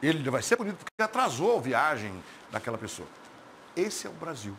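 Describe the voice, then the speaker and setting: Over light background noise, a man with vocal fry talks at a moderate pace, his pitch swinging very widely. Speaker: TV news show host. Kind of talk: animated commentary. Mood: indignant, sarcastic humor. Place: studio. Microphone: lapel.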